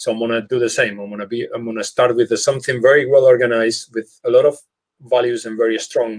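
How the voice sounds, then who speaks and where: Very fast, flat, monotone delivery in a Spanish accent, with big swings in loudness. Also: man, medium pitch for a man. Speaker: community organizer. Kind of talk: interview. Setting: video call. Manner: halting.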